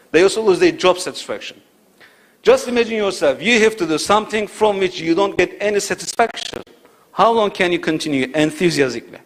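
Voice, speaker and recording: Man lecturing, slightly high voice. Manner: rhetorical, checks in with "right?" and "you see". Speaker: conference speaker. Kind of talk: academic lecture. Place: auditorium.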